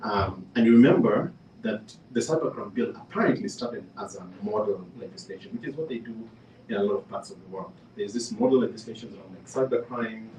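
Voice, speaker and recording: A man from Kenya speaks on a discussion panel, his voice a little low, relaying an anecdote with plenty of ums and restarts before pressing his points firmly. He sits back from the microphone in a reverberant room, with a faint hum of noise underneath. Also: brisk, a little mellow. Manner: conversational, many fillers and restarts, building to emphatic points. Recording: echoey room, speaker far from the mic.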